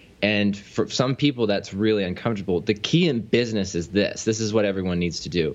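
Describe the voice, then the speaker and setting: Here a man speaks fairly quickly in an ordinary speaking voice, fairly low in pitch with ordinary pitch variation. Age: 30s. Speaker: spiritual business coach. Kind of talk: casual interview.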